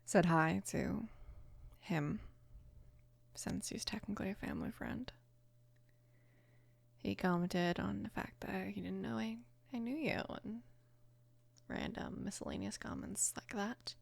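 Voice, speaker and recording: A woman of about twenty playing a mafia boss's protective, casual daughter in an intimate ASMR roleplay, speaking softly and unhurriedly, often slipping into a whisper. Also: lively intonation, dry recording, exaggerated voice. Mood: calm, confiding. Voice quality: soft, breathy whispering mixed with low murmur. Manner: hesitant, unhurried, casual with small pauses. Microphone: close microphone, dry.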